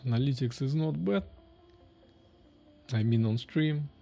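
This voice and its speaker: A man's voice: mid-range voice, unhurried, creaky, mellow, lo-fi sound, faint music behind. A man, chatting casually while live-coding and thinking aloud on a stream from a small room. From Russia. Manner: thinking aloud, chatty, reading chat questions. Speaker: streamer, indie developer.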